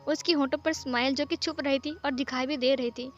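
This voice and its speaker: A woman narrating a fan-fiction story in a plain, steady retelling. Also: sits high, brisk, dull audio, faint music behind.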